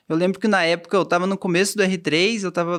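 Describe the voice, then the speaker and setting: A man talks at a fairly quick pace with a high pitch. He speaks with a slight strong Minas Gerais accent. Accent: slightly strong mineiro. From Minas Gerais, Brazil. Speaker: cardiologist and podcast co-host. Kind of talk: casual chat. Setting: studio.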